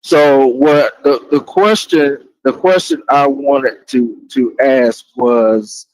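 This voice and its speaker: A man chatting casually as a panelist, halting and roundabout, often saying "you know". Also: mid-range voice, darkish tone, no room sound, rough recording. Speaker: panelist asking a question. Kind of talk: casual chat.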